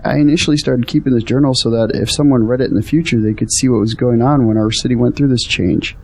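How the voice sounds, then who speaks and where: A man acting an earnest, hopeful, devout son with a husky voice in a Christian audio drama. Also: mid-range voice, fast talker, darkish tone, slight background noise, lightly acted, low-quality recording. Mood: earnest, marvelling.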